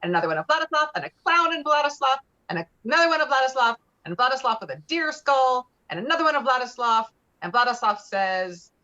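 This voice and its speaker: A woman's voice: sits high, lively intonation, fast, hardly any pauses, bright, forceful tone. A woman reading screenplay stage directions in an online table read, over lo-fi call audio. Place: remote video-call reading. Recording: dull, lo-fi video-call audio.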